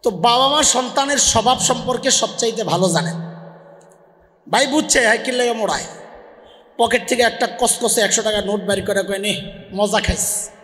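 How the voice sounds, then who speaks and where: A man with a delivers a fiery call-and-response sermon in a strikingly high voice. He hammers the crowd with repeated questions and shouts. The sound is roomy, with a long reverberating tail like an outdoor public address system. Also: fairly quick. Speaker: preacher.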